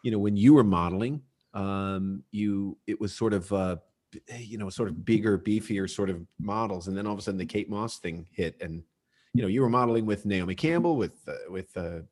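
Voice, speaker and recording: A man's voice: on the low side, a little fast, a little mellow. A man hosting a podcast, casual and joking with his guest. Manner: joking, teasing. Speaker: podcast host.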